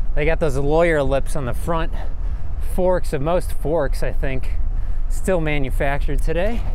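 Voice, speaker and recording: Slowish and fairly unhurried, a man talks with ordinary pitch variation. The sound is dry with no echo, over light background noise. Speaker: cycling vlogger. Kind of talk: casual vlog chat. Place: bicycle. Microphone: phone near.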